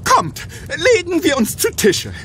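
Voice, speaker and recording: A bombastic, scheming Roman general in a comic audio drama. His voice is extremely high and swoops widely, with a piercing edge. It is full of theatrical self-importance. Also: huge pitch swings, unhurried, creaky, fairly bright tone, slight background noise, full character voice. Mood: nervous, placating. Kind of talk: comic radio play acting.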